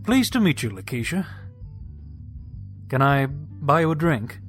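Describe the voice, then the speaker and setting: Lively, flirtatious chatty man. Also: on the high side, measured pace, soft background music. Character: chatty, self-deprecating flirtatious male wedding guest. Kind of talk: naturalistic audio drama acting.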